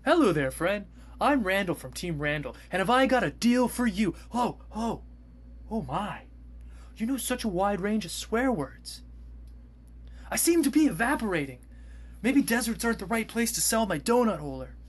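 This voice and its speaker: A man's voice: high voice, very animated, moderate pace, breathy edge, full character voice. A man voicing a naive, eager cartoon salesman with theatrical, exclaiming patter. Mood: chummy pitching. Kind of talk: animated cartoon voice acting demo.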